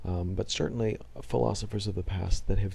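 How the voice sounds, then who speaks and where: A man speaks in a very deep, low pitch with a dark, mellow, somewhat breathy tone. His pitch variation is ordinary. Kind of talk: casual talk to camera. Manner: rambling, hesitant.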